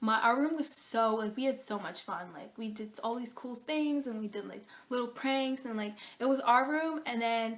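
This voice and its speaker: A woman speaks in a high pitch with an animated tone. Her pitch varies in an ordinary way while her loudness swings a lot. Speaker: college student vlogger. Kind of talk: casual vlog monologue. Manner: fast; animated, filler-heavy.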